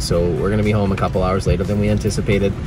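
A man's voice, dry with no echo, with clear music in the background. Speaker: business coach vlogger. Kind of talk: casual vlog chat. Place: car. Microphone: phone near.

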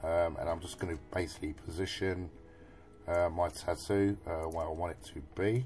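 A man's very deep, low voice with music in the background. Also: moderate pace. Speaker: VFX tutorial maker. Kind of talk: software tutorial narration.

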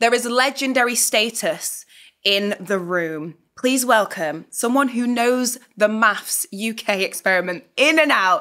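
Against a quiet background, a woman speaks very slowly in a bright, sharp tone. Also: lively intonation. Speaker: podcast host. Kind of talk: podcast intro recap. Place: studio. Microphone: studio mic.

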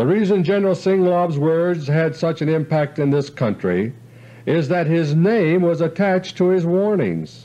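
In an ordinary speaking voice, a man with a fairly high pitch talks at a moderate pace. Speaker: conspiracy commentator and newsletter author. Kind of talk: monthly audio letter delivered as a serious, warning-laden monologue. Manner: grave, urgent, alarmist.

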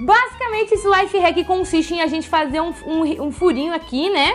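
With a São Paulo accent, a woman speaks at a moderate pace in an upbeat tone and an extremely high pitch, with faint music in the background. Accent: Brazilian Portuguese, São Paulo. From São Paulo, Brazil. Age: 20s. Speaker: YouTuber. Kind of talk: casual talk to camera. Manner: upbeat, chatty. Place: kitchen.

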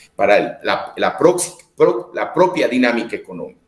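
The speaker talks at a fairly slow pace with ordinary pitch variation. There is audible room echo against a quiet background. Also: man. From Ecuador. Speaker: economist, development bank manager; interviewee. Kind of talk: radio interview. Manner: hesitant, repeats words. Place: home room.

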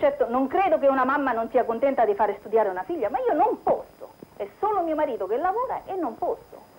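Talking at a very fast pace, a woman uses a high pitch with very wide pitch swings. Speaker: working-class mother interviewee. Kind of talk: street interview, personal testimony. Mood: aggrieved, indignant. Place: home room. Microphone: old recording.

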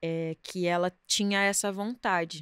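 A woman with a plain, everyday voice speaks at a fairly low pitch with fairly even intonation, the sound dry with no echo and the background quiet. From Brazil, Niterói (Rio de Janeiro state); Rio de Janeiro state, Brazil. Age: 30s. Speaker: singer and actress; actress. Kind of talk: casual interview chat. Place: studio. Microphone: studio mic.

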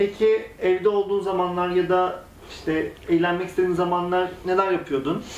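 A man with a high-pitched voice talks at a moderate pace. His intonation stays fairly even. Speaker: oral history interviewer.

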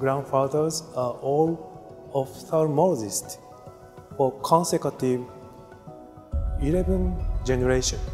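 With clear music in the background, a man speaks in a Japanese accent. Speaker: general surgeon. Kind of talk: interview answer. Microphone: lapel.

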